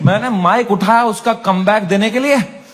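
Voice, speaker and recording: Crude, animated male stand-up comedian. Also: high voice, normal speed. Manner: animated, crude, self-mocking. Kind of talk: stand-up storytelling. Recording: live stage with audience and noise. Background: audience laughter and room noise.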